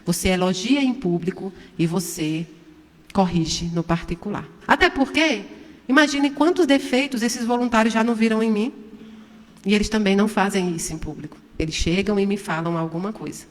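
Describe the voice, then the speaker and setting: A woman's voice: medium pitch, moderate pace. A middle-aged woman from Brazil giving an informal spiritist talk to an audience in a large hall, chatty, putting questions to the listeners. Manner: chatty, asks the audience questions, acts out shouts. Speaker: spiritist lecturer.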